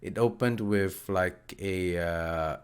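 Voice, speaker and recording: A man's voice: low-pitched, slow pace, clean tone. A man with a cold, sounding a little nasal, chatting enthusiastically about a story as a podcast co-host, with lots of fillers. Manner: enthusiastic, hesitant with many fillers. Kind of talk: casual book discussion.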